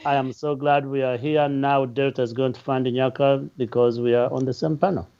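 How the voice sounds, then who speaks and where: A man's voice: mid-range voice, fairly even intonation, normal speed, mellow, slight background noise. A man with a Ugandan accent introducing his nonprofit on a panel in an earnest way, with light jokes. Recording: muffled lo-fi audio.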